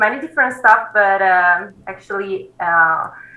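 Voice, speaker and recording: A woman with an Italian accent, a fairly high pitch, a bright, sharp tone, ordinary pitch variation and audible room echo. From Italy. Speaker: bitcoin advocate. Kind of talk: panel interview.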